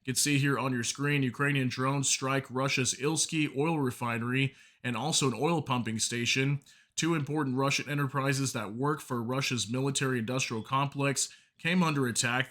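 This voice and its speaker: A man hosting an informal news channel briefing, a little hoarse from a sore throat, talking viewers through war updates in a casual, chatty way. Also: medium pitch, normal speed, fairly bright tone. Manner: informal, addresses viewers as guys, apologizes for stumbles.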